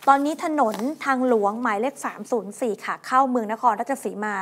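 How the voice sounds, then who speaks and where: Female news co-host, slightly high voice, fast, chatty commentary. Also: fairly bright tone.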